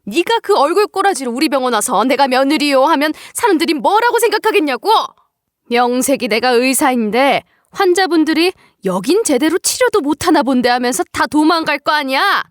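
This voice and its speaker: A cruel older mother-in-law, a doctor, sneers and scolds with open contempt, as a woman voices her. Her voice sits high and swings widely from line to line. It is recorded dry and close for a story reading. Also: lively intonation, normal speed, dry recording. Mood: scolding.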